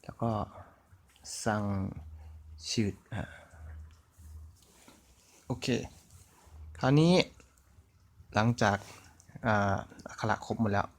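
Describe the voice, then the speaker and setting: Thai guy teaching slow n chatty, lowish voice, says each sound over and over. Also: steady tone. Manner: slow, chatty, repeating sounds while writing on a board. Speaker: language teacher. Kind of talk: casual online language lesson.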